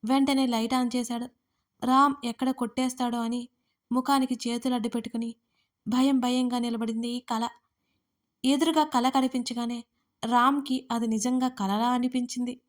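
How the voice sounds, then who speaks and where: A woman storyteller narrating an audio story in a steady, even reading. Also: a little high, moderate pace.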